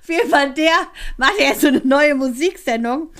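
A woman with a high voice, chatting casually as a podcast co-host. She tells stories with animation and acts out the lines of the people in them. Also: lively intonation, a little fast, a bit bright. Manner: laughing, chatty storyteller who acts out quotes. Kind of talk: casual chat.

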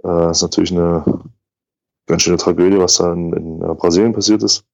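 A man co-hosting a casual fan podcast, talking thoughtfully and haltingly with repeated words. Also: sits low, fairly even intonation, gravelly, darkish tone, no echo. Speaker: podcast co-host. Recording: dry, slightly dull sound.

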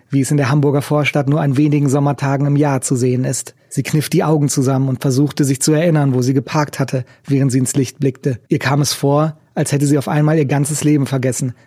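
A man reading a novel aloud as audiobook narrator, steady and measured, on a close studio mic. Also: medium pitch, slightly rough, no echo.

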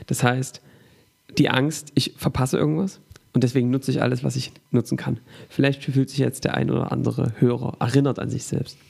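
A man hosts a business podcast, summing up his guest's points and leaning on filler sounds. His middle-pitched voice carries a strong, gravelly vocal fry. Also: little pitch movement, fairly quick, darkish tone. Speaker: podcast host. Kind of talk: conversational interview.

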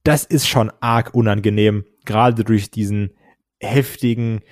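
A man's voice: on the low side, fairly even intonation, unhurried, dry recording. German guy on a podcast, hesitant, lots of ähms, dry close sound. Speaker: podcast co-host. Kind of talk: casual wrestling chat.

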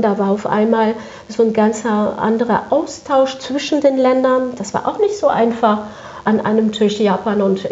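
A woman's voice: on the high side, a little mellow. A woman speaking as an interview guest, recounting her work conversationally and repeating phrases for emphasis. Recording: echoey room, dull muffled sound.

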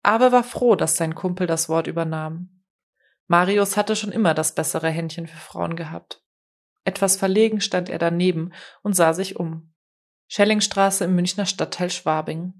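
A woman reads a novel aloud as an audiobook in a steady, measured manner. Her voice sits slightly below typical female pitch, and her scripted narration is smooth and even.

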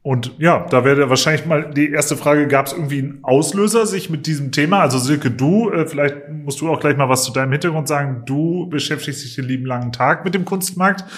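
Male podcast co-host, slightly high voice, dry humor, casual chat. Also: brisk, hardly any pauses. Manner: dry, joking, filler-heavy.

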